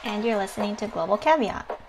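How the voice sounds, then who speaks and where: A woman's voice: mid-range voice, expressive, fairly quick, soft background music, rough recording. A young woman co-hosting a health podcast, asking questions in an upbeat, encouraging way. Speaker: podcast co-host. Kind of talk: podcast interview.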